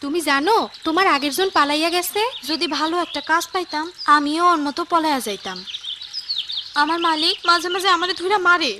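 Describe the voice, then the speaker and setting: A woman's voice: very high voice, a little fast, background noise. A woman voicing a gossipy, weary young servant girl in a cartoon, speaking in a confiding village dialect.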